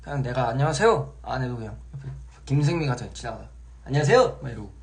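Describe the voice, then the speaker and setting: A young man hosting a casual live stream, relaxed and chatty, sometimes acting out how he sounds on the phone. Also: mid-range voice, racing. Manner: relaxed, chatty, acts out his own phone voices.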